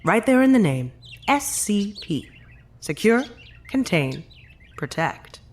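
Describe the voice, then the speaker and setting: A man's voice: sits high, very animated, slow pace, heavily acted. A senior agent of a secretive organization in an audio drama. He is solemn and courteous. His phrasing is formal and eloquent.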